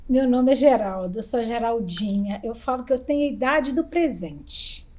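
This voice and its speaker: Casting woman, interviewee, high pitched, playful reflective manner. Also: lively intonation, normal speed, a little mellow. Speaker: interviewee, former councilwoman.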